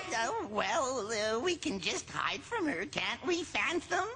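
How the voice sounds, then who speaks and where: This is a cartoonish character voice with a high pitch. It moves through very wide pitch swings. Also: fairly slow pace. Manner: nervous, fawning.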